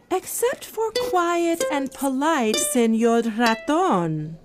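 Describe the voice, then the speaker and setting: A woman narrating a scripted audio theatre story with a wry, animated manner. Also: high voice, extremely slow, music in the background.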